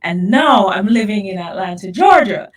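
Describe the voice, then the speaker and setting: Woman guest from Guyana, mid-pitched, reflective storyteller who leans on "you know", unhurried interview talk. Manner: thoughtful, steady, personal anecdotes with frequent "you know" and "right?". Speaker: podcast guest.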